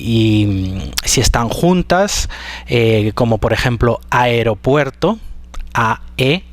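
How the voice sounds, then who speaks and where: A man teaching pronunciation, explaining syllable structure slowly and carefully, stretching out example words. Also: medium pitch, dry recording. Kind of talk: explanatory lesson.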